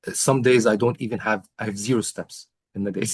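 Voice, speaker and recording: A young man from Egypt, a coaching client telling his story in an interview, earnest and measured, with many pauses and fillers. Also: lowish voice, steady tone, a little mellow, husky, no echo. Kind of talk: testimonial interview.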